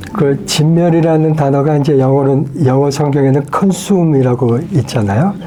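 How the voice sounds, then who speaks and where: A man with a fairly high pitch talks with hardly any pauses, amid audible room echo and noticeable background noise. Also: ordinary pitch variation, moderate pace. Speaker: church elder. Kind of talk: testimony.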